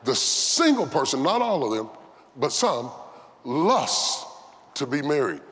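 A man's voice: mid-range voice, sing-song, slow pace. A man preaching an emphatic sermon to a live congregation, repeating phrases for effect and calling for a response. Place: large indoor church service. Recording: noisy live hall with loud crowd. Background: congregation crowd noise.

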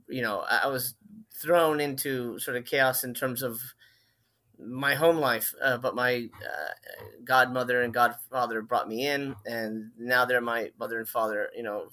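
His voice sits in the middle range, bright and forceful. The speaker is a forties-aged filmmaker from Miami, Florida, guesting on a casual interview where he tells loose, wandering stories and corrects himself along the way.

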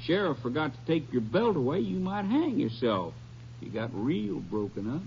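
An actor playing a gloating, taunting outlaw prisoner in a 1950s radio western, sneering with folksy, mock-friendly menace. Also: male voice, fairly high pitch, sing-song, moderate pace, creaky, darkish tone. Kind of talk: 1950s old-time radio western acting. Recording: muffled vintage radio, faint hum.

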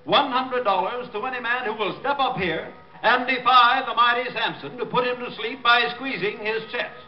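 An actor playing a carnival barker calling in the crowd with booming sales patter in a radio drama. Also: male voice, moderate pace. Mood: hawking. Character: loud male carnival barker, showman. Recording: dull lo-fi old radio transcription.

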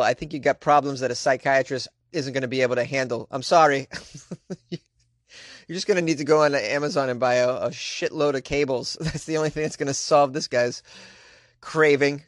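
A man's voice: on the high side, no echo, clean studio sound. A man hosting a comedy show, reading odd news stories aloud and mocking them with incredulous asides and laughter. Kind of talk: comic commentary on news stories.

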